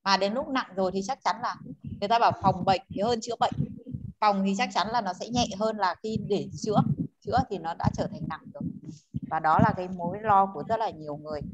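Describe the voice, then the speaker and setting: A woman's voice: mid-range voice, fast, low-quality recording. Earnest woman MC on a video call. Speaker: MC of an online meeting. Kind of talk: casual discussion on a video call. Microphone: webcam microphone on a video call.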